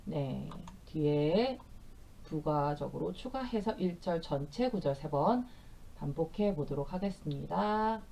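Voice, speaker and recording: A middle-aged woman teaching Bible verses in English with explanations, speaking gently with soft fillers and reading verses slowly for repetition. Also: low voice, expressive, gravelly, slight background noise. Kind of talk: bilingual scripture lesson with slow repetition drills.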